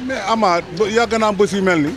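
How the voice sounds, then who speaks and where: A middle-aged Senegalese man with a somewhat high voice talks earnestly, pausing and restarting while he looks for the right words. He speaks outdoors into handheld mics held close to his mouth. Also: crowd noise. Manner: earnest, halting, searching for words. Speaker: local resident interviewee. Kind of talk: street interview. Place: outdoors in front of a building. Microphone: handheld reporter mics held close.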